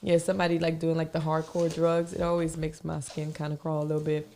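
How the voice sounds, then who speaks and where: A woman co-hosting a podcast in casual chat, her voice raspy from being under the weather, talking chattily and laughing often. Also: deep voice, monotone, fast, warm tone. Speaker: podcast co-host.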